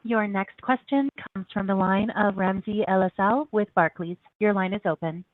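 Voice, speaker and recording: A woman's voice: mid-range voice, fairly even intonation, moderate pace. A woman working as a conference operator, making formal announcements of callers. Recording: tinny narrow phone line.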